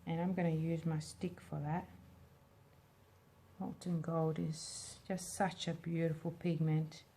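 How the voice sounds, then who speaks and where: A woman with a fairly low voice and a slight smoky rasp talks through a hands-on demo. She is informal and chatty, thinking aloud as she goes, like a host showing viewers each step. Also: little pitch movement, slow, warm tone, a little hiss or hum. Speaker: craft tutorial host. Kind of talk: casual hands-on demo chat.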